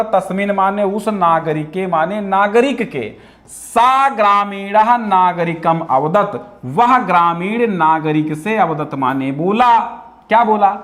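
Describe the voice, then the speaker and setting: A male teacher walking through a Sanskrit text line by line, repeating each phrase and adding playful asides. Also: high voice. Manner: animated, repetitive explaining with playful asides. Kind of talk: line-by-line Sanskrit lesson explained in Hindi.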